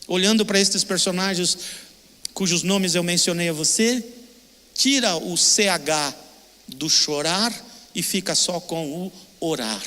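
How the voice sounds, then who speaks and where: Older male pastor, Brazilian accent, high bright voice, long hall reverb, emphatic sermon. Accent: Brazilian Portuguese. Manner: emotional, emphatic, repeats short phrases.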